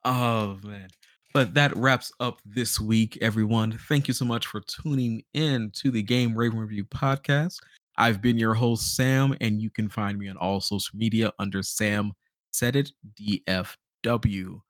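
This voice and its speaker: A man's voice: fairly low pitch, steady tone, measured pace, no room sound. Casual male podcast host, close dry sound. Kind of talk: casual podcast chat about games and films.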